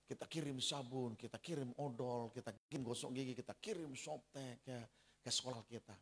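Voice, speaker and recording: Male pastor, mid-pitched, animated storytelling sermon aimed at the congregation. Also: fairly quick, slightly rough. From Central Java, Indonesia.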